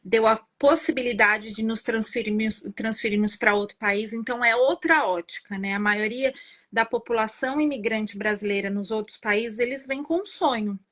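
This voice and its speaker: Brazilian woman, higher voice, earnest. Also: normal speed, fairly bright tone. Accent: Brazilian Portuguese. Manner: earnest, explanatory, tags many phrases with "né?". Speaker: guest. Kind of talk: reflective interview conversation.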